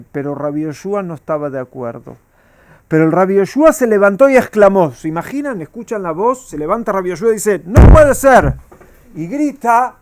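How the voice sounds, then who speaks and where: A man's voice: high-pitched, darkish tone, no room sound. A man, a rabbi, teaching a Talmud class and asking his students rhetorical questions.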